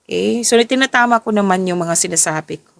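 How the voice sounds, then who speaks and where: A woman's voice: medium pitch, brisk, gravelly, no echo. A tired woman giving a casual tarot reading, often stopping to correct and rephrase herself. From Philippines. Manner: self-correcting, restarts and rephrases as she goes. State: tired, voice a little off. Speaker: tarot reader. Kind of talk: casual tarot reading, mixing English and Tagalog.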